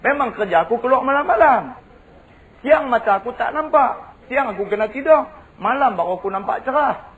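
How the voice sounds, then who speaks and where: Guy doing a cheeky defiant young son, voice jumps way high, talks back. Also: animated, moderate pace, fairly bright tone, exaggerated voice, low-quality recording. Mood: cocky.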